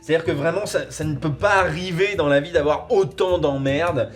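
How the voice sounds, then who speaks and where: Male review host, slightly high voice, loose and chatty, faint music behind. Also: moderate pace. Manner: chatty, swears casually, many fillers. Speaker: host reviewing audio dramas. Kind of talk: casual online review.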